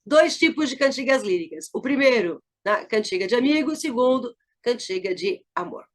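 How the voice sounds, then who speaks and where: Brazilian woman teacher, brisk explaining tone. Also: on the high side, lively intonation. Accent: Brazilian Portuguese. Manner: explanatory, checks in with frequent tags. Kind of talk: recorded lesson review.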